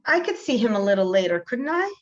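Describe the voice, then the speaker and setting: A woman's voice: a little high, big pitch swings, fast. A woman playing a shy, earnest middle-aged visitor full of wonder in a play reading, speaking hesitantly over a video call. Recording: dull video call audio.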